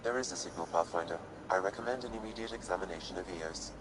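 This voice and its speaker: A calm artificial intelligence, voiced by a man for a video game. It speaks formally and with measure in a very low male voice, amid clear noise. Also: fast talker, close to an everyday voice. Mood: calm, clinical. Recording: noisy game audio, quiet and distant.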